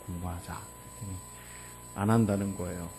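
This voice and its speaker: A man in his forties, a pastor preaching a heartfelt sermon, telling a personal story in a mostly quiet, low voice that swells to loud fervor. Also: animated, normal speed, faint music behind. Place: church sanctuary.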